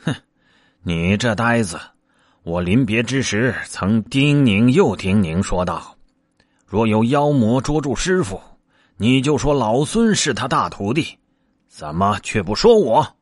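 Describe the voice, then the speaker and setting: A man voicing a proud, quick-tempered male monkey king who speaks in a boastful, commanding way. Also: medium pitch, sing-song, no echo, clean studio sound.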